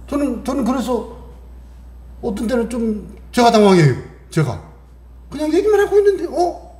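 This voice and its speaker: A middle-aged male pastor preaches with a high voice that swings widely in pitch, with a warm, mellow tone. He keeps asking the congregation questions and plays out little scenes in other voices. The sound rings in an echoey church hall. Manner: animated preaching, acts out family voices and asks the congregation questions. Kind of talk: sermon.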